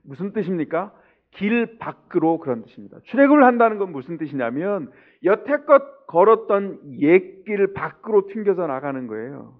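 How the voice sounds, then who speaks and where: A man's voice: sits high, sing-song, moderate pace. A middle-aged man preaching a sermon as pastor, putting rhetorical questions to the congregation and acting out the people in his stories. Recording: tinny, narrow-band lo-fi sound.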